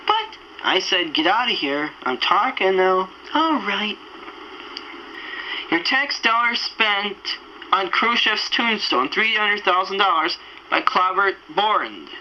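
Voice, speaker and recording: A man's voice: high voice, animated, slow, sharp tone. A sixteen-year-old boy playing amateur radio host with goofy homemade show patter on an old cassette recorder. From Minnesota, United States. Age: 16, teenager. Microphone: portable cassette tape recorder. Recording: noisy lo-fi home cassette recording.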